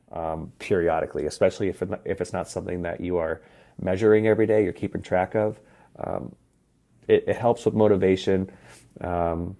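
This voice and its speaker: A hockey coach who hosts a podcast talks casually on his own in a deep, flat voice. He's relaxed and rambling, with many fillers.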